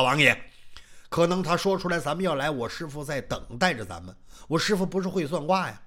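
A male storyteller narrating a martial arts tale in a lively, chatty manner with many asides. His voice is high and bright, and its pitch rises and falls with animation. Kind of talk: traditional oral storytelling.

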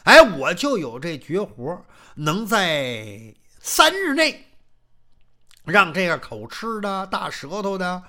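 A man's voice: sits high, big pitch swings, slow pace, bright, forceful tone, exaggerated voice. A man voicing a feisty 94-year-old male Taoist doctor who boasts proudly and talks back defiantly. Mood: proud boasting.

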